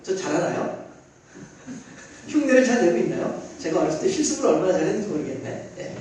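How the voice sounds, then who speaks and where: A man preaching a sermon as a pastor, lively, with many rhetorical questions and acted-out voices. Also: high voice, brisk. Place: church sanctuary. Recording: very echoey church hall, mic at a distance.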